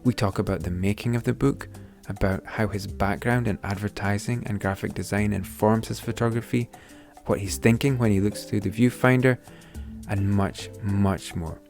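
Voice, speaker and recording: A man's voice: on the low side, fairly even intonation, moderate pace, creaky, a little mellow, soft background music. A man hosting a podcast, enthusiastic, with fillers and some hesitation. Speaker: podcast host. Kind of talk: podcast intro and interviewing.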